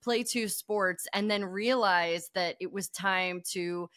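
A woman's voice: medium pitch, slow, a bit bright, dry recording, studio quality. A woman co-hosting a baseball podcast, speaking thoughtfully and measuredly, often checking in with "right?". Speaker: podcast co-host. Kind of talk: casual sports chat.

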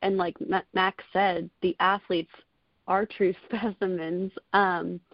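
A woman's voice: lowish voice, flat delivery, slow pace, no echo. A woman in her twenties, a college rowing coxswain, answering interview questions in an earnest, casual way with frequent fillers. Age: 20s. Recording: dull lo-fi audio.

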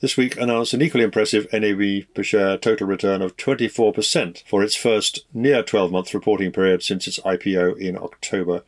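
A man hosting a podcast, reading scripted financial market news in a measured, formal and fluent way. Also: lowish voice, fairly even intonation. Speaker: podcast host.

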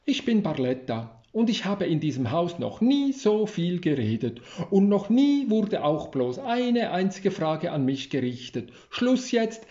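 Man voicing a motherly old housekeeper in a storybook, brisk and scolding, slow mellow delivery, roomy dull sound. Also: high voice, very animated. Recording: roomy, slightly dull recording.

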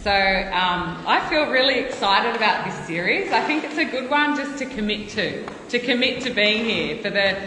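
A woman's voice: medium pitch, expressive, normal speed, hardly any pauses. Woman preaching in an echoey hall. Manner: earnest, warm storytelling with frequent restarts. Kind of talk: sermon. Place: church hall. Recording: echoey church hall, faint noise.

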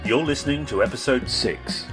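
A man's voice: mid-range voice, moderate pace, over music. A man announcing in a tongue-in-cheek mock news style, reading scripted headlines. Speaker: podcast announcer.

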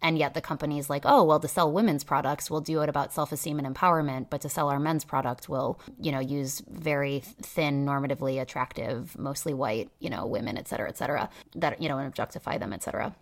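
Low-voiced cynical woman podcaster. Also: fast, hardly any pauses. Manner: cynical, hedging, many fillers. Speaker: podcast co-host; teacher. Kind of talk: casual podcast chat.

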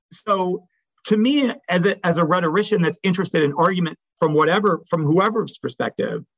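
A man's voice: on the high side, gravelly, fairly bright tone, breathy edge, dry recording, lo-fi sound. A man speaking as an academic, answering audience questions after a talk in an explanatory, hedging way that often checks in with the listeners.

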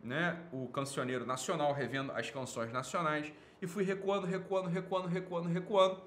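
A man's voice: a little high, fairly even intonation, brisk, a bit bright, a little hiss or hum. A Brazilian man giving informal, off-the-cuff commentary as a program host, opinionated and emphatic, with repetition and slangy, profane wording.

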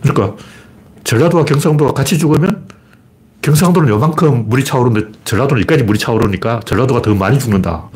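A middle-aged man hosts a solo political commentary livestream, speaking fast in a medium-pitched, slightly mellow voice. He talks bluntly and colloquially, posing rhetorical questions and answering them himself.

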